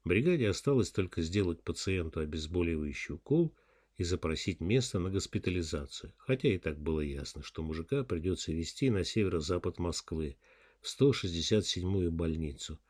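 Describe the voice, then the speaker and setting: A man reading an audiobook in a steady, matter-of-fact narration. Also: low-pitched, brisk. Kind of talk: scripted narration.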